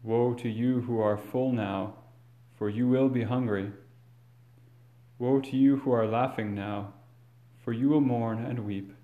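A priest reads the Gospel and then preaches a homily in a measured, earnest manner, with some fillers and restarts. His medium-pitched voice has fairly even intonation, and the narrow, tinny recording was made in a large church with cathedral echo.

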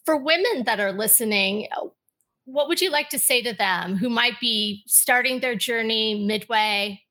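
A woman interviewing an author, warmly affirming her answers before asking her next question. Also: fairly high pitch. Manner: warm, affirming, with quick assents. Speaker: guest interviewer. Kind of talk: conversational interview.

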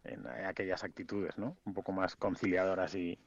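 A man's voice: low-pitched, steady tone, normal speed, no echo. Male radio guest with a Spain Spanish accent, rambling and candid, on a slightly muffled line. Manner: rambling, frank, trailing off into fillers. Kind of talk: casual radio interview chat.

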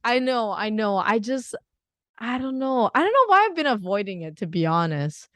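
A woman's voice: on the high side, sing-song, moderate pace, fairly bright tone, no echo. A woman from Singapore in casual conversation, chatty and laughing often, trailing off and restarting her sentences. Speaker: conversation partner. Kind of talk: casual chat.

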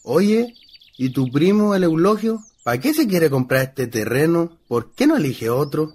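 A man's voice: a little high, expressive, measured pace, darkish tone, slightly rough. An actor playing a superstitious, gossipy young country man in a radio play, earnest and folksy, with a rural Chilean accent. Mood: confiding, earnest. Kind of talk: stage-style radio play acting.

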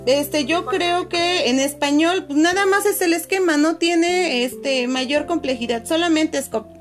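Teacher lady on a video call, high-ish voice, lots of "este", faint music in the back. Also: measured pace. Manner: patient, many fillers, calls pupils "chicos" and "corazones". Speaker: schoolteacher. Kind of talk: online class video call.

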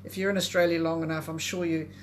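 A woman with a slightly low voice hosts a relaxed podcast chat. She talks haltingly, with many fillers and restarts. A faint hiss sits under the recording. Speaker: podcast host.

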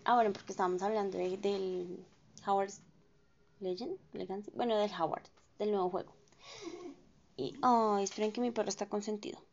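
A woman's voice: medium pitch, a little mellow, a little hiss or hum. Colombian girl in her 20s rambling on her podcast, slangy and self-deprecating, kinda muffled lo-fi audio. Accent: Colombian Spanish. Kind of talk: casual chatty monologue. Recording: dull lo-fi sound.

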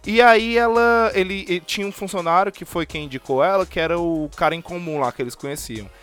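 A woman, hosting a casual chat and telling lively, slangy stories. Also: on the low side, fairly quick.

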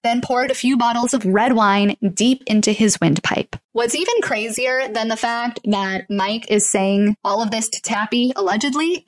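A woman narrating a true crime story in a casual, conversational way, speculating aloud about what happened. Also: fairly high pitch.

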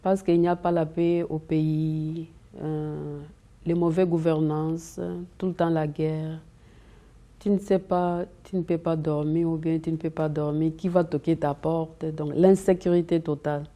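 Low-voiced woman, earnest. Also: level tone, a little slow, mellow. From Democratic Republic of the Congo. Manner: earnest, repeats and restarts words often. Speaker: interview guest. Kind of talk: conversational interview. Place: community TV studio.

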